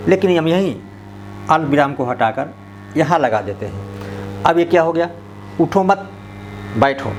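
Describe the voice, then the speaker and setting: A man teaching a grammar lesson who speaks slowly and deliberately and draws out example sentences to show where to pause. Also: a little high, slight background noise. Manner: slow, deliberate delivery, stretching out example sentences.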